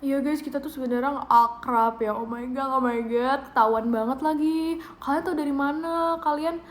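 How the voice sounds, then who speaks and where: A young woman with an Indonesian accent, chatting playfully and with lots of giggles as she hosts a home livestream. Her voice sits high and bright. The room adds a roomy echo. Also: moderate pace. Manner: playful, giggly, reads out viewer gifts. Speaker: idol livestream host. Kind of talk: casual livestream chat to viewers. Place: bedroom at home.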